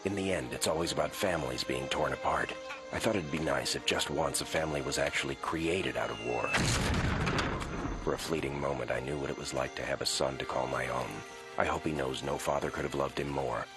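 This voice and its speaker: A man voicing a stoic cartoon pig detective with a deadpan, formal delivery and an Ozark twang. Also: a bass voice, a little fast. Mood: wistful. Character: stoic male pig detective, dry and wistful. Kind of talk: animated comedy acting. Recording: music behind the voice.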